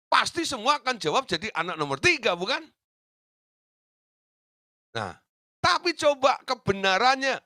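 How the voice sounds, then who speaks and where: A man's voice: high-pitched, dry recording, clean studio sound. A man preaching a sermon as pastor, telling a story with lots of asides to the congregation. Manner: lively storytelling with many asides.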